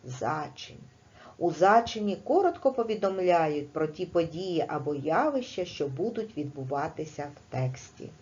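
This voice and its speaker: A woman teaching a primary school class in a recorded video lesson, explaining slowly and clearly with patience. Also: sits low, expressive, a little mellow, muffled recording, a little hiss or hum.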